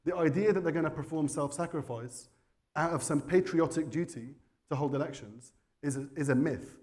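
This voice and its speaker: A man's voice: on the high side, normal speed. A man speaking as a panelist at a conference discussion, arguing firmly and insistently. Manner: forceful, insistent argument. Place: conference hall.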